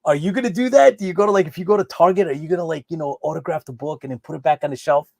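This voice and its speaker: A man's voice: fairly high pitch, very fast, gravelly, a little mellow, dry recording, clean studio sound. A man hosting a live online interview show, chatty, often repeating words and restarting his sentences. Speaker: host.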